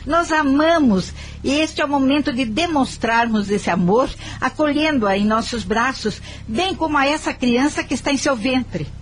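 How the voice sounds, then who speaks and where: A woman's voice: high voice, normal speed, lightly acted. An actress playing a hurt but loving middle-aged Brazilian mother in a radio soap, earnest and pleading. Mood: reproachful, pleading.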